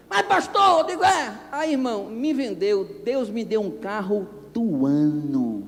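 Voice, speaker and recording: A man preaching as a pastor, telling stories and acting out the dialogue with sudden shouts. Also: very high voice. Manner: animated, acts out dialogue, bursts into shouts. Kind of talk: storytelling sermon. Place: church anniversary service. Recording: long reverb of a church hall.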